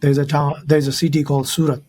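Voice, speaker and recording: Man, thirties, somewhat high voice, earnest storytelling, keeps asking "right?". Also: flat delivery, quick pace, warm tone, slightly rough. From India. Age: 30s. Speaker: guest, financial advisor. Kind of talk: casual interview talk.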